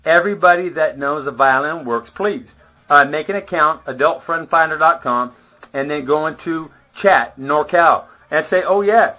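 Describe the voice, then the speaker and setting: Boastful man ranting profanely to camera, slightly high, raspy voice, muffled lo-fi sound. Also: normal speed, pushed and bright. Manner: profane, boastful, laughs between phrases. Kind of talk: rambling rant to camera.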